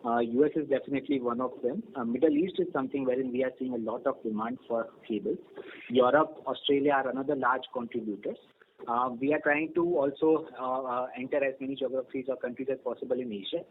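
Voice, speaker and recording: A man with an Indian accent answering questions as a company executive on an earnings call, in a measured, hesitant, formal manner. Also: medium pitch, steady tone, slight background noise. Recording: narrow tinny conference phone line.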